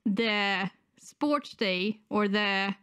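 Slow-talking woman, slightly wheezy with a cold. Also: mid-range voice, a bit bright, clear, resonant tone, no room sound, studio quality. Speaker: reaction channel host. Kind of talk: casual chat to camera. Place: indoors, small room at home. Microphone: close desktop microphone.

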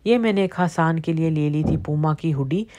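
A woman's voice: deep voice, normal speed, warm tone. A middle-aged woman from Pakistan giving a chatty running commentary on prices in a casual shopping vlog, filmed on a handheld phone in a large warehouse store. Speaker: vlogger.

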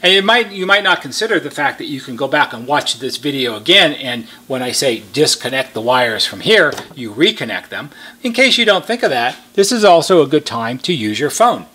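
A man's voice: medium pitch, very animated, fairly quick, bright, forceful tone, husky. A middle-aged American man, a repair technician giving a methodical, explanatory step-by-step how-to demonstration.

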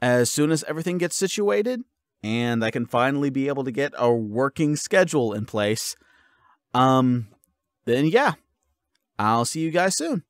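A man giving his listeners a casual update as an audio creator, informal and halting as he thinks aloud. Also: mid-range voice, very animated, no echo, studio quality.

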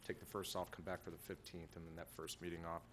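Man, American accent, middle-aged, deep voice, informal council discussion, desk mic, clear background noise. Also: level tone, quick pace, fairly bright tone. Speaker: council member. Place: council chamber. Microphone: gooseneck desk microphone.

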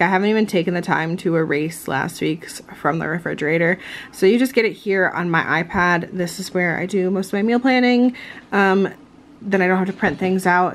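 A woman's voice: fairly low pitch, a little hiss or hum. A woman in her thirties talking casually at home, rambling with fillers and restarts as she walks through her shopping. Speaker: vlogger. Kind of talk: casual haul vlog. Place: home kitchen, indoors.

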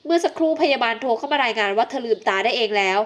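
An earnest young female surgeon in a romance audio novel talks in a slightly high, hurried voice. A woman reader voices her in her own tone. She explains things briskly and seriously. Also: expressive, close to an everyday voice.

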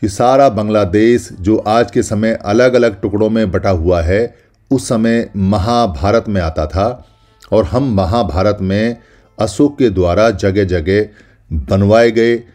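A man's voice: fairly low pitch, darkish tone, soft background music. A man giving a solemn, scripted documentary narration, speaking in first person as if he were the ancient caves, listing names one by one. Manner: deliberate, lists names one by one. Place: voice-over.

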